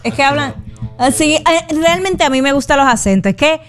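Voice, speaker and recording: A chatty Puerto Rican woman co-hosts a radio talk show and laughs easily. Her high voice swings widely in pitch as she trades opinions. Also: animated, a little fast, soft background music. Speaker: radio co-host. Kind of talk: casual radio banter.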